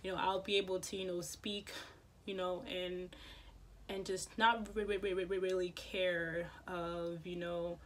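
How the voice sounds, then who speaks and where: A woman's voice: fairly low pitch, little pitch movement, measured pace, a little hiss or hum. A woman vlogger who stutters, repeating sounds and words, talking casually to camera with many fillers. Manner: many fillers, soft-spoken.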